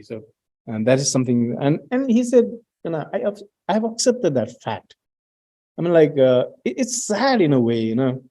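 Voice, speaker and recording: A middle-aged man presenting research findings at an academic talk, pausing often with fillers and restarts. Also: mid-range voice, dark tone. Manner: hesitant, many fillers and restarts, reads out student quotes.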